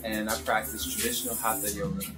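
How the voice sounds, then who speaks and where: A man in his forties recalling how he took up yoga, in a relaxed and conversational way. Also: fairly low pitch, quick pace, over loud music. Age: 40s. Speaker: interviewee. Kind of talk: documentary interview.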